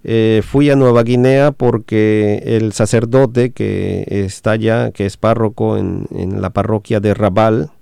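Slow gravelly-voiced man, hesitant host. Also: on the low side, fairly even intonation, mellow, no room sound, studio quality. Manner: many fillers and restarts, slow and halting. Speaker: radio host and interpreter. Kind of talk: hesitant radio talk.

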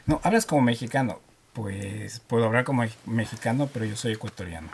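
A man from Ecuador with a Quito accent, a radio guest telling animated stories about himself. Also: mid-range voice, a little fast, vocal fry, slight background noise. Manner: animated storyteller, jokes and laughs often. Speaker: guest, driving instructor. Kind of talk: casual radio interview.

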